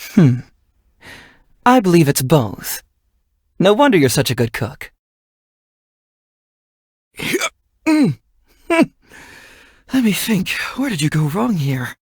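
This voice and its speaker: A man's voice: fairly high pitch, very animated, slow, pauses often, a little mellow, husky, no room sound, studio quality, exaggerated voice. A man voicing a cheeky, confident young male detective in a video game, with breezy, playful, theatrical phrasing. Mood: warm, upbeat. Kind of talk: scripted game character voice lines.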